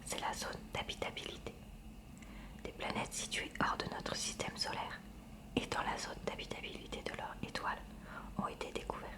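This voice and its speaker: A woman whispering throughout in a hushed library manner, reading a school textbook aloud as ASMR with measured, careful enunciation.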